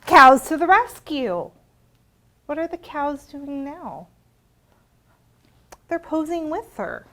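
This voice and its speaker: Woman, storytime reader, higher-pitched, swooping intonation, expressive, asks kids simple questions. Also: takes it slowly, slight background noise. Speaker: children's librarian. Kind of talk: interactive read-aloud storytime for young children.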